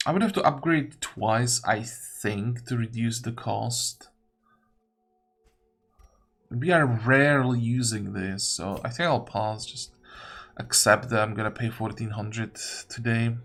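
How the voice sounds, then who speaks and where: A man talks casually through his own game, weighing each choice aloud. His voice is somewhat husky, and music plays softly behind him. He works through decisions step by step in a musing way. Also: mid-range voice, slow. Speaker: gamer narrating own playthrough. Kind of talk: casual gameplay commentary, thinking aloud.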